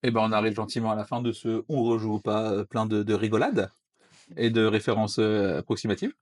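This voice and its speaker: A man's voice: fairly low pitch, a little mellow. A man co-hosting a casual board game review chat, joking and teasing his co-host. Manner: joking, teasing, fast-talking.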